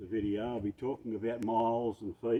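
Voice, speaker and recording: At a moderate pace, a man talks at a medium pitch. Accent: Australian. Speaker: amateur firewood gatherer and home metal fabricator. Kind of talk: casual how-to talk to camera. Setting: outdoors.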